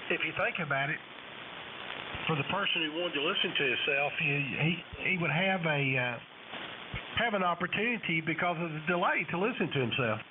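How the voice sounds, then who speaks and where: A man's voice: fairly high pitch, animated, fairly quick. A man in casual chat as an amateur operator over a ham radio transmission. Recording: distant, narrow, hissy radio link.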